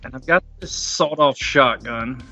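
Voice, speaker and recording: A man's voice: mid-range voice, moderate pace, pushed and bright, lo-fi sound, faint music behind. A man playing a tabletop role-playing game, mixing casual banter with drily formal phrasing.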